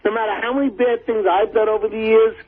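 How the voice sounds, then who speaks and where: A man's voice: sits high, little pitch movement, quick pace, over a noisy crowd. A man calling in to a radio show over a thin phone line, insistently explaining his point and repeating himself. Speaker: caller. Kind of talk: unscripted phone-in argument.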